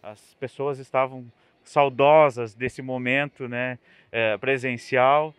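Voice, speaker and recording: A man's voice: medium pitch, clear, resonant tone, no echo. Chatty young man at a fair. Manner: chatty, animated, quick asides. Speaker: machinery dealer representative. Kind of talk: casual interview answer. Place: outdoors at a fair stand. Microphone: handheld interview mic.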